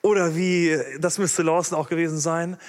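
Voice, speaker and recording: A man delivers an emphatic sermon in a fairly high voice, turning to his listeners with direct questions. His words ring out with a long reverb, as in a large hall. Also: flat delivery, normal speed. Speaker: preacher.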